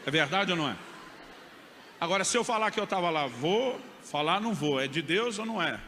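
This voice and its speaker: Bright-voiced Brazilian pastor telling a story. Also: male voice, high voice, animated, fairly quick. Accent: Brazilian Portuguese. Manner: conversational storytelling, addresses listeners as "irmão". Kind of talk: sermon testimony. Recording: echoey hall with faint noise.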